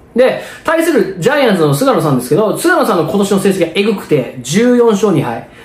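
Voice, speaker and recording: In a room with audible echo, a man talks fairly quickly at a high pitch, with very wide pitch swings. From Kyoto, Japan. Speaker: former pro baseball player, YouTuber. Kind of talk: casual monologue. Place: home room. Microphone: phone near.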